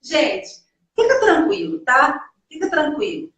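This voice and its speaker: A Brazilian woman teaching English in a casual live lesson, slowly repeating example phrases and coaxing learners along. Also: high-pitched, wildly swooping pitch, a bit bright, heavy reverb, far from the mic, rough recording.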